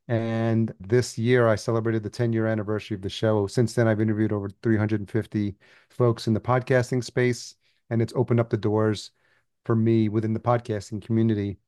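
Man, interview guest, low voice, dry close mic, relaxed storytelling, easy laughs. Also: fairly quick, no echo. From El Salvador. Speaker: podcast guest, agency founder. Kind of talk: casual interview.

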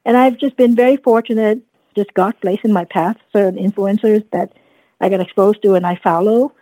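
A woman in her fifties from Vietnam, a guest telling her story in an earnest, reflective way, often pausing with "you know.". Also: medium pitch, fairly even intonation, dark tone, no room sound, rough recording. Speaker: guest, dentist and coach. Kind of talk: casual podcast interview.

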